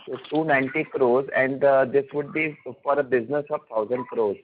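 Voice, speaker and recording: A man's voice: mid-range voice, fairly even intonation, moderate pace. Indian man on a thin phone line. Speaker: analyst caller. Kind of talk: asking financial questions. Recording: narrow, tinny phone line.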